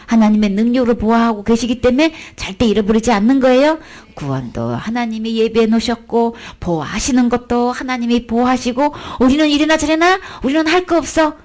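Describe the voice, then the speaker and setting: A woman's voice: fairly high pitch, darkish tone. A woman teaching a daytime church Bible lesson, coaxing her listeners with one rhetorical question after another.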